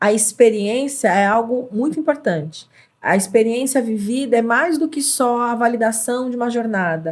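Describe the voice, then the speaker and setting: With a São Paulo accent, a woman speaks in a high pitch and varies it an ordinary amount. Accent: São Paulo (paulista). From Brazil, São Paulo outskirts. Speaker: anthropology professor and diversity consultant. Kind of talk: podcast panel discussion.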